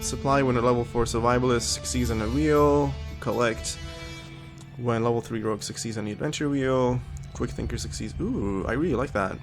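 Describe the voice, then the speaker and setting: A man's voice: medium pitch, normal speed, faint music behind. A man hosting a let's-play video, a little sniffly from a cold, thinking aloud and reading game text with frequent ums. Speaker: gaming video host. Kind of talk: casual let's-play commentary.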